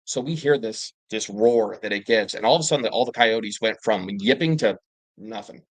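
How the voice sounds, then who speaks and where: A man with a lowish voice tells wilderness encounters in loose, rambling storytelling. He fills pauses and restarts often, and he jumps up in excitement when he quotes himself. The sound is dry and close. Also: no room sound, poor audio. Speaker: panel guest telling paranormal encounters. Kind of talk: casual storytelling.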